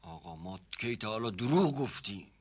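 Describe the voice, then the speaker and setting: A man's voice: mid-range voice, big pitch swings, vocal fry, slightly rough, full character voice. An actor playing a humble, hesitant older male servant in a TV comedy drama, stammering and evasive. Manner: stammering, evasive, fond of repeating himself.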